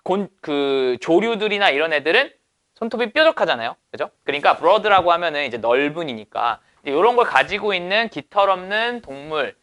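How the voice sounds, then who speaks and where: Lively, bright-voiced male teacher. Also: fairly high pitch, fairly quick. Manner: asks rhetorical questions and answers them. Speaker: English teacher. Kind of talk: lecture explaining exam passages.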